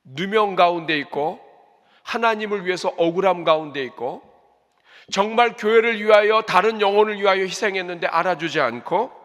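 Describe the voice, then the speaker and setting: A man's voice: high-pitched, normal speed, fairly bright tone. A man, a senior pastor, preaching a sermon in earnest, asking the congregation rhetorical questions. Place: church sanctuary. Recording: reverberant church hall.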